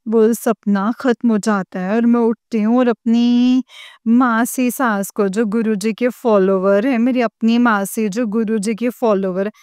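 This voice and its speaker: A woman telling her dream to a spiritual congregation, mixing English words into Hindi, with slow pauses and hesitations. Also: a little high, steady tone, a little mellow, smooth, dry recording, clean studio sound. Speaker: devotee sharing a dream experience. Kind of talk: personal testimony to a spiritual congregation.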